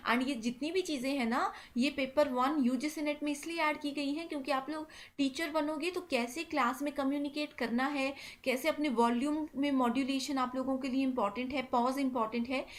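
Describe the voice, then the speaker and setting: A woman's voice: high voice, steady tone, brisk, hardly any pauses. A woman teaching an exam-prep lesson, mixing English terms into Hindi and checking in with "theek hai" after each point. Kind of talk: explaining exam questions.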